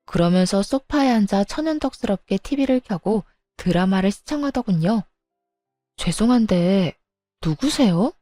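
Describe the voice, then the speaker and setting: A woman narrating her own dramatized story, with sharp and indignant retorts. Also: mid-range voice, animated, normal speed, hardly any pauses, no room sound, faint music behind.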